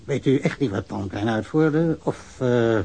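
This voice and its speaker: A man's voice: mid-range voice, unhurried, vocal fry, dark tone. Male, radio drama: wry, chatty drinker giving testimony, sardonic and slightly tipsy. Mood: wry, probing. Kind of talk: naturalistic radio drama acting.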